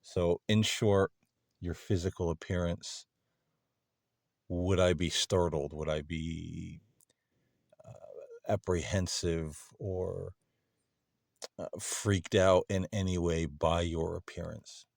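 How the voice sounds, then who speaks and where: A man with a low, creaky voice speaks at an unhurried pace, pausing often as he politely poses questions in a paranormal contact session. His delivery is tentative and unscripted, and the sound is close and dry. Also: fairly even intonation, darkish tone, dry recording. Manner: polite, tentative, halting with pauses. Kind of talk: slow, spontaneous questions addressed to unseen beings.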